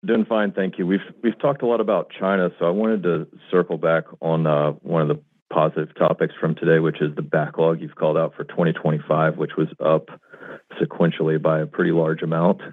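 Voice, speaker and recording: A man's voice: rumbling low, little pitch movement, fairly quick, no echo. A man working as a financial analyst, politely putting questions on an earnings call over a phone. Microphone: telephone. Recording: dry, tinny narrowband phone line.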